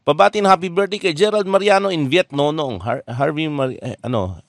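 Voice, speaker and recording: A man's voice: fairly high pitch, brisk, no echo, clean studio sound. A man, a podcast co-host reading out listener greetings and laughing often. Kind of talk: casual podcast chat.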